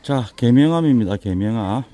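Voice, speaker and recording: An older man with a Busan accent, hoarse and a bit winded, chatting folksily as he walks a mountain path for his vlog. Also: medium pitch, lively intonation, normal speed, mellow. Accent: Busan Gyeongsang dialect. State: out of breath from climbing. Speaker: vlogger touring local alleys. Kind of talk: casual walking vlog.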